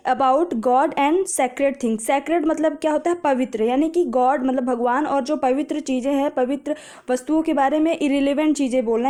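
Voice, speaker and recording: A woman tutor runs through vocabulary for an exam, her voice high-pitched yet soft and dark in tone. She poses each question and answers it herself, linking words to easy memory tricks. English phrases come slowly and carefully. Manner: explains patiently with memory tricks, asks and answers own questions. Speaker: exam prep teacher. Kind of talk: vocabulary lesson.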